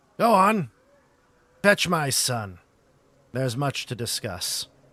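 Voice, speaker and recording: Putting on a gruff character voice, a man speaks at medium pitch and a fairly slow pace with very wide pitch swings. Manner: commanding.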